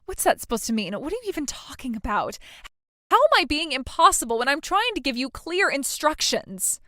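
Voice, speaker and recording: A woman's voice: high-pitched, very animated, a little fast, pushed and bright, no echo, studio quality, full character voice. A woman playing a whiny, entitled bride. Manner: whiny, stammering, self-pitying. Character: self-absorbed young bride, whiny and entitled. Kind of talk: scripted drama dialogue.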